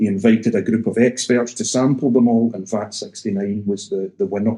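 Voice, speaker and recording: Speaking at a very fast pace with a Scottish accent, a man uses a medium pitch and a dark, mellow tone with fairly even intonation. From Glasgow, Scotland. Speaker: whisky reviewer. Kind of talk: casual conversation explaining whisky.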